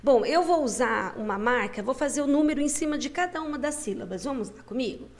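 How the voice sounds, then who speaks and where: Speaking in an expressive voice that sits high, this woman teacher walks young children through a schoolbook lesson. She coaxes them patiently and slows down to sound out syllables.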